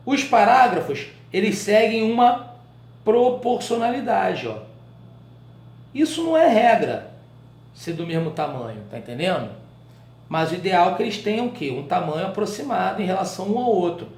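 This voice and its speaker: A Brazilian man teaching a live writing class in a colloquial, animated way, often checking in with his students through short questions. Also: high-pitched, normal speed, echoey room. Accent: Brazilian Portuguese.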